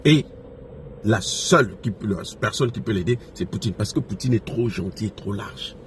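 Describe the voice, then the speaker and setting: A man's voice: fairly low pitch, expressive, normal speed. Emphatic political commentator, male, noisy recording. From Africa. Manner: emphatic, repeats phrases, rhetorical questions. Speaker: political commentator addressing followers. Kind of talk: impassioned off-the-cuff political commentary. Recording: noisy recording with background ambience.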